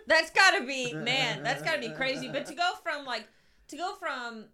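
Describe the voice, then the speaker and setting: A woman in casual chat, joking and chiming in with quick remarks. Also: sits high, expressive, crowd noise.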